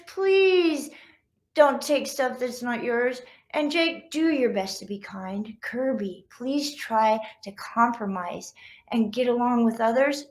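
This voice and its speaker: A woman voicing a loving but firm mother dog in a children's storybook, giving patient, rhyming advice to her pups. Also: high-pitched. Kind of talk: children's picture-book read-aloud.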